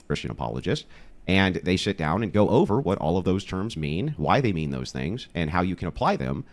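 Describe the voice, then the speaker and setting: A man's voice: sits low, big pitch swings, a little fast. A man arguing in an online debate, assertive and challenging, with emphatic explanations. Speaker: debater, online course seller.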